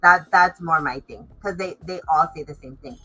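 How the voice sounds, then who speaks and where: Casting: woman, low pitch with a bright edge, informal and emphatic interview guest. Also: moderate pace, faint music behind, rough recording. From Los Angeles area, United States. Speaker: fashion designer and stylist, interview guest. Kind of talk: casual interview chat.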